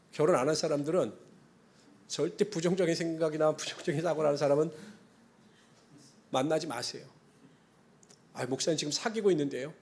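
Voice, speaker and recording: A man's voice: fairly high pitch, a little mellow. A male pastor preaching a Sunday sermon, earnest and conversational, closing points with formal blessings. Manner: conversational asides and acted-out quotes.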